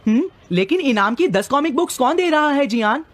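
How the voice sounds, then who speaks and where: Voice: high-pitched, lively intonation, brisk. An actor voicing a sly, tattling schoolboy sidekick in a dubbed children's cartoon, eager but timid. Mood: eager, wheedling.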